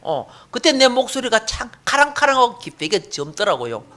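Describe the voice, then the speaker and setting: Lively, bright-voiced older male pastor. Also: very high voice, normal speed. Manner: animated preaching with frequent call-and-response prompts. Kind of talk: sermon.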